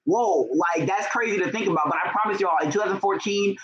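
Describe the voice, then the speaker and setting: Higher-pitched young man, gushing and chatty. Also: fast talker, dull audio, a little hiss or hum. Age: young adult. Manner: gushing, excitable, slangy with frequent "like" and "y'all". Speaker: book vlogger and writer hosting a livestream. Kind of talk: casual, chatty livestream talk.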